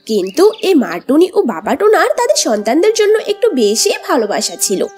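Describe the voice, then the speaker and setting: A woman narrating a scripted cartoon story as the storyteller. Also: high-pitched. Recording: music bed under the voice. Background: background music.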